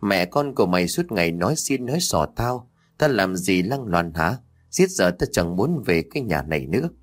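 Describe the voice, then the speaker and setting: A man's voice: deep voice, sing-song, normal speed. A man playing a harsh scolding father. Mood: angry. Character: stern middle-aged father, angry and defensive.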